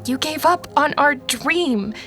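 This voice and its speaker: A sixteen-year-old girl in an audio drama, with a very high, youthful voice. She is earnest, idealistic and outspoken, pushing her point hard. Faint music sits behind her. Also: expressive, slow, sharp tone, heavily acted. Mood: pushy, dismayed. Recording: music under the voice.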